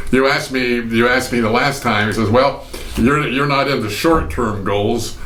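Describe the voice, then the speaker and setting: A man speaks with an American accent and fairly even intonation. Audible room echo and noticeable background noise surround him. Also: medium pitch for a man, moderate pace. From Southern California. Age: 80s+. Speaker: senior bodybuilder. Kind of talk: casual interview chat. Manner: halting, repetitive.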